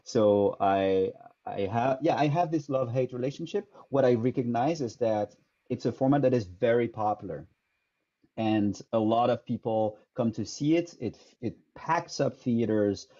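A man's voice: medium pitch, normal speed, mellow. A man in his thirties from France with a French accent, an improv teacher answering interview questions thoughtfully, with many fillers and restarts, over a headset on a video call. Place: small room indoors. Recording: dull lo-fi video call audio.

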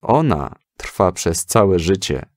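A man voicing a thoughtful, gentle father in a children's story, measured and kindly instructive. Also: sits low, big pitch swings, no room sound, clean studio sound, heavily acted. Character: thoughtful, gentle father advising his young son.

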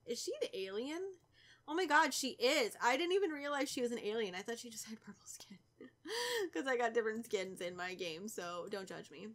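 A woman's voice: on the high side, animated, moderate pace, fairly bright tone. Stuffy-nosed young woman playing a game. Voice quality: slightly raspy. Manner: chatty, teasing the game characters. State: stuffy nose from a cold. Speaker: gaming YouTuber. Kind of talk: casual let's play commentary.

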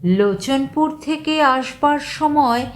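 A woman reading a story aloud, voicing a proud, hostile village man with a booming voice and curt, scornful replies. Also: expressive, slow pace, slight background noise.

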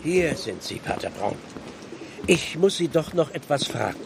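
A man's voice: on the high side, very animated, measured pace, gravelly, faint music behind, full character voice. An actor playing a puzzled, out-of-his-depth village policeman in a radio play, deferential and befuddled. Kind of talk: German radio play acting.

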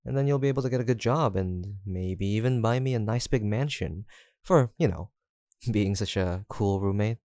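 A man's voice: lowish voice, moderate pace, mellow, dry recording, studio quality, natural voice. A young man acting an easygoing, teasing, affectionate student roommate in an intimate, casual roleplay audio drama, with hesitant banter. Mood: teasing, encouraging. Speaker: voice actor.

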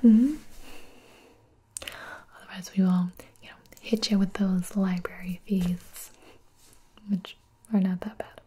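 Softly whispering young librarian played by a woman. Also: medium pitch, steady tone, takes it slowly, pauses often. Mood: explaining, easygoing. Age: 20s. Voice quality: breathy. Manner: soft-spoken library whisper, gentle and casual. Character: friendly, chatty young female public librarian helping a new patron. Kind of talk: whispered role-play.

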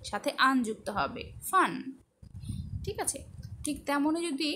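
A woman with a high, bright voice gives a lesson to young children, patient and repetitive. She puts simple questions to the class and answers them herself. A faint hum of ambient noise sits behind her. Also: expressive, moderate pace. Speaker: teacher.

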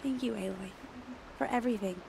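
An actress playing a tender young tribal huntress in a video game, sincere and thankful. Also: female voice, mid-range voice, fairly quick, gravelly, very noisy. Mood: grateful, tender. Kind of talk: video game dialogue acting.

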